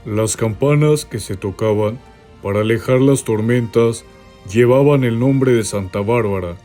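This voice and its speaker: A man with a Costa Rican accent reads a saint's life aloud in a steady, measured devotional manner. His voice is mellow and sits at a middle pitch. Soft music plays faintly behind him. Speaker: reader.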